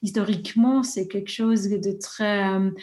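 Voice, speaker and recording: A woman researcher responding in a discussion at a listening session, speaking in halting phrases with pauses and restarts. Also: mid-range voice, fairly even intonation, warm tone.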